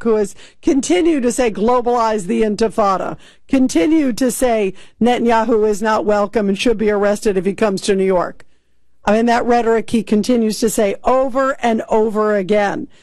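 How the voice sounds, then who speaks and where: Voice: medium pitch, moderate pace, darkish tone, no room sound. A talk radio host commenting emphatically and sounding incredulous, taking calls.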